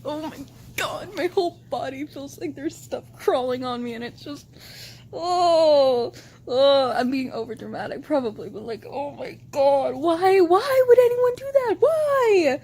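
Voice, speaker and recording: A woman book vlogger chatting casually to camera at home, animated and overdramatic, with lots of "like". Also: high voice, a little slow. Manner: animated and overdramatic, heavy use of "like". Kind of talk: casual vlog chat to camera.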